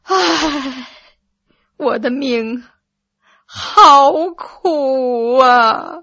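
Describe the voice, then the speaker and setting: A woman's voice: very slow, bright, forceful tone, highs cut off, heavily acted. A woman voicing an official's grief-stricken wife who wails and sobs in a storytelling performance. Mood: wailing. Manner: sobbing, shrill wailing.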